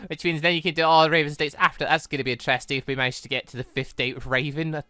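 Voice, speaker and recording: A man's voice: fairly high pitch, flat delivery, fast, bright, forceful tone, smooth, no echo, faint music behind. A man hosting a gaming series with casual let's-play commentary, rambling and hesitant as he thinks aloud.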